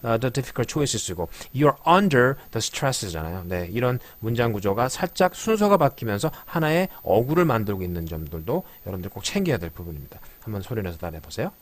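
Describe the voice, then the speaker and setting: A man teaching English pronunciation in a lecture, explaining patiently, slowly repeating phrases to show stress, with frequent short fillers. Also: lowish voice, sing-song, dry recording. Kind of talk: spoken language lecture.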